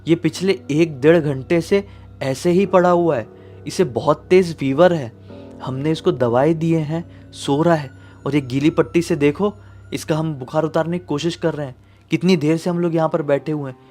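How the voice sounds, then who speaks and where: A man's voice: a little high, moderate pace, mellow, faint music behind, close to an everyday voice. A man voicing a stern female school teacher who scolds a student. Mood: scolding. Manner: scolding, dismissive.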